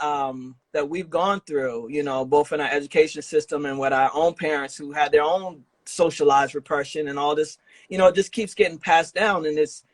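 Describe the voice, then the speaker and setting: Casual man with a slightly high voice. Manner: slangy, freely swearing, affirming. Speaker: podcast host and festival organizer. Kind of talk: casual interview chat.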